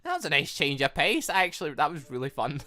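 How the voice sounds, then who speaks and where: A gaming YouTuber giving excitable, rambling, giggly commentary on a visual novel, with game music behind. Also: mid-range voice, fast. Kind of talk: gameplay commentary, reading visual novel dialogue aloud.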